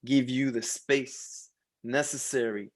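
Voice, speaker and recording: Slow-paced man presenting a language course. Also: mid-range voice, fairly even intonation. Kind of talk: promotional course presentation, partly read aloud.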